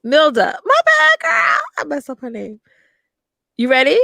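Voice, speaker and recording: A woman's voice: high voice, huge pitch swings, measured pace, gravelly, bright, forceful tone, no echo, clean studio sound. A woman co-hosting a live stream, chatting in an emphatic, friendly way. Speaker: co-host of a live stream show. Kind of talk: casual live stream chat.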